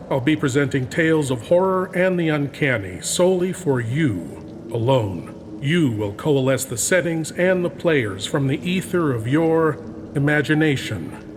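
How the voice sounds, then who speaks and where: A man hosting a horror audio show, introducing it in a slow, hushed, ominous manner. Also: mid-range voice, noisy background. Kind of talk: theatrical horror host introduction.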